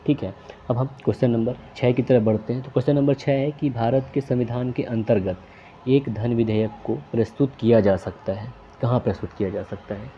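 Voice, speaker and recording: A man's voice: mid-range voice, fairly even intonation, fairly quick, highs cut off, a little hiss or hum. A man working through exam questions, reading each question and its options aloud before naming the answer. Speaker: quiz tutor.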